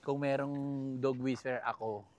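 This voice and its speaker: A man's voice: medium pitch, fairly even intonation, normal speed, darkish tone. A man from the Philippines hosting a casual travel vlog, joking and laughing as he talks straight to his viewers while walking outdoors along a river. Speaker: travel vlogger.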